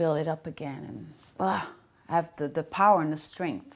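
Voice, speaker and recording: Delivered at a moderate pace, the speech has monotone, flat intonation and vocal fry. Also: woman. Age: 40s. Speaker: actress. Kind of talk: interview.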